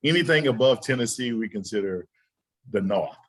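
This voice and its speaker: A man's voice: medium pitch, lively intonation, moderate pace. A man from Alabama with a Southern accent, chatting and joking as a podcast guest. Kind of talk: casual podcast chat.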